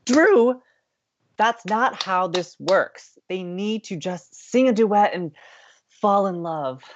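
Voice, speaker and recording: A man's voice: sits high, animated, slow, lo-fi sound, a little hiss or hum, full character voice. A young man playing an upbeat, romantic-minded college radio co-host in an audio drama, earnest, playful and teasing. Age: young adult. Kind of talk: scripted audio drama banter.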